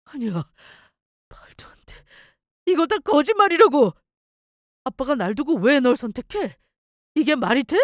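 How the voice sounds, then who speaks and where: Brash, boastful, sneering husband in a story radio drama, voiced by a woman. Spoken a little high, in a close, dry voice that looks down on everyone. Scornful, self-important, and impatient. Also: animated, normal speed, dry recording, lightly acted. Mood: frantic. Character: arrogant cheating husband, company head, man. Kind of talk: story radio role-play.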